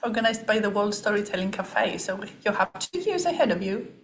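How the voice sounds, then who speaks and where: A woman's voice: mid-range voice, big pitch swings, a little fast, a little hiss or hum, low-quality recording. A woman interviewing a guest as podcast host, in a casual conversational style.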